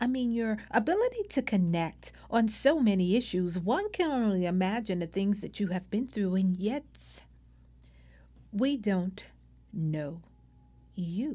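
A woman with an American accent, medium pitch and a dark, mellow, somewhat breathy tone, lively intonation, a fairly slow pace and long, frequent pauses. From Brooklyn, New York. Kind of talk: interview; poetry performance.

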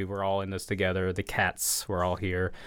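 A man with a Midwestern American accent talks at a fairly quick pace in a fairly low pitch. The recording is very clean, with a silent background. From southern Illinois (O'Fallon). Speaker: cat café co-owner. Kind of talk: radio interview. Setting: studio.

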